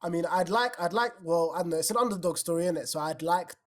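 A young London man with a slightly raised pitch, hosting a football podcast. His talk is informal and slangy, like chatting with friends. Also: fast talker. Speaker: podcast host. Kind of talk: casual football chat.

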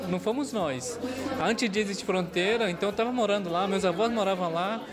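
Um homem falante nativo de matsés, com timbre médio-agudo e tom reflexivo, que pontua as frases com "sabe?". Gravado no meio de um salão de congresso barulhento. Há muita conversa ao redor. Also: male voice, sits high, fairly quick, over music. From Brazil's border with Peru and Bolivia. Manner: earnest, reflective, frequent tag questions. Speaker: conference guest speaker. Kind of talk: interview answers. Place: busy conference venue. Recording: loud crowd chatter around.

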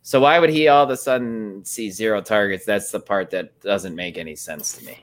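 A man's voice: fairly low pitch, moderate pace. A man co-hosting a casual sports podcast, blunt and profane, often laughing at the others. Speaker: co-host.

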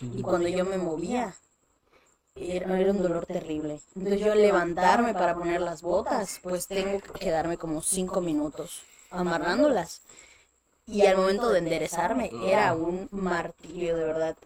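A young woman with a Mexican accent tells personal stories in an easy, animated way, leaning on fillers between thoughts. Her voice sits on the lower side for a woman. The sound of a crowd murmurs clearly in the background. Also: moderate pace. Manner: chatty, animated, many fillers like "este". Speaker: guest. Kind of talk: casual storytelling chat.

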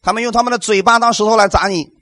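A man's voice: sits high, fairly even intonation, rapid-fire, bright, forceful tone, no room sound. A male pastor delivering a sermon, emphatic, asking the congregation rhetorical questions and acting out quotes.

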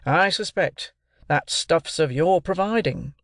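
A bluff army sergeant from an old storybook, brisk and commanding, then hearty over a glass, as a male narrator puts him on. The voice sits a touch high and loud, in a dry, close recording. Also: expressive, dry recording, heavily acted. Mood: jovial.

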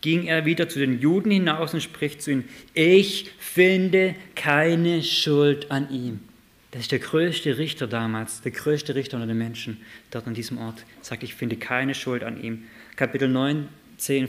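Man, preacher, sermon, reads verses aloud, rhetorical questions, shifts loud to soft. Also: medium pitch. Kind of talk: sermon with Bible reading.

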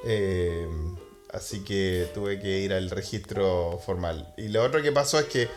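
A man's voice: low-pitched, unhurried. Chilean guy, podcast co-host, laid-back slangy talk, faint music underneath. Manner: slangy, swears a lot, laughs often. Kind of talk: casual podcast chat.

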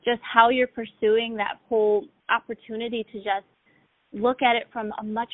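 A woman's voice: fairly high pitch, little pitch movement, moderate pace, no room sound. A woman asking casual questions as an interviewer, over a phone-like line. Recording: dull, tinny phone-line sound.

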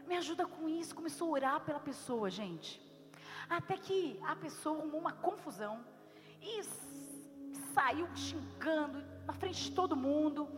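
High-voiced woman preaching in a reverberant church. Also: lively intonation, over music. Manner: earnest, slows to stress single words. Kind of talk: sermon.

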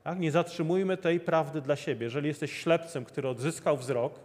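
A man delivers a sermon, pressing his listeners with the same rhetorical questions again and again. His voice sits a little high for a man. It rings with the long reverb of a large hall. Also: fairly even intonation, fairly quick, darkish tone. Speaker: preacher.

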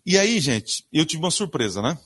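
Slightly high and a bit bright, this man's sing-song voice moves at a normal speed as he preaches a church sermon. He reads scripture aloud and asks the congregation questions before answering them himself.

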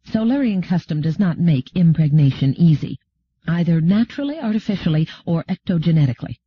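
Proud, clipped noblewoman, read by a male narrator; lively, husky. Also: a little high, fairly quick, no echo. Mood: cool. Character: stern grieving woman aristocrat, proud. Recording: dull lo-fi recording.

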